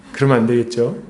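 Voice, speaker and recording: Lively pastor preaching in an echoey hall. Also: male voice, medium pitch. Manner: lively, conversational preaching with rhetorical questions and acted-out asides. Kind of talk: expository sermon. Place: church sanctuary.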